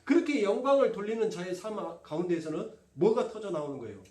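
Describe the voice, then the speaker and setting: A pastor preaches in a church sanctuary, heard from a distance in the roomy space, with a high, mellow voice that is very animated and fast. He keeps asking the congregation questions and then supplies the answers himself.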